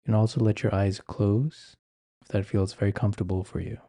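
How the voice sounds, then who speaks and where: A man guiding a meditation in an ASMR-like style, speaking gently and giving soft, measured instructions. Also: fairly low pitch, little pitch movement, no room sound. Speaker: meditation guide.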